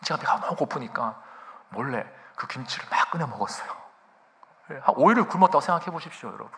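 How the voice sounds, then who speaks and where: A man's voice: medium pitch, expressive, fast, bright, forceful tone. A male pastor preaching a sermon in a church sanctuary, telling stories with animation and putting rhetorical questions to the congregation.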